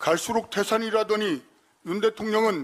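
A man's high voice at a moderate pace against a quiet background. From South Korea. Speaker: lawmaker; politician at party meeting. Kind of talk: formal political speech. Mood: stern, indignant criticism. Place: meeting room. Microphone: podium.

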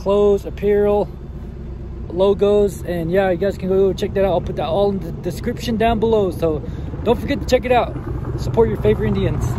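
A man is heard in a dry recording with no echo, though noticeable background noise is present. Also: fairly quick pace. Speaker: vlogger. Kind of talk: casual vlog chat. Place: open country. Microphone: phone near.

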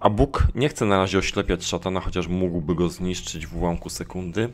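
A man's very deep, low voice at a moderate pace, with faint music in the background. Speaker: religious vlogger. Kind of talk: religious commentary talk. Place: home room. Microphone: studio mic.

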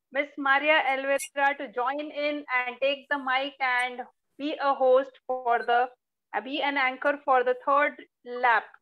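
Her voice is high-pitched and monotone, with flat intonation. The woman speaks very slowly, in an Indian accent. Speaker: event host. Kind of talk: compering an online poetry event. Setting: video call.

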